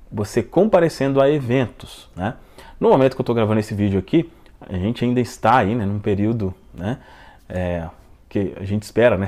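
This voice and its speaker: Chatty Brazilian man talking to camera. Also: medium pitch. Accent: Brazilian Portuguese. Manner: chatty, ends phrases with tag questions; rises into loud bursts when making a point. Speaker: self-help video host. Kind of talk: casual talk to camera.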